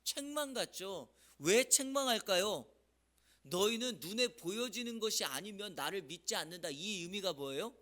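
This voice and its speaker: A man's voice: high voice, lively intonation, normal speed, fairly bright tone. A male pastor giving an early-morning sermon in a church, often putting questions to the congregation with emphasis.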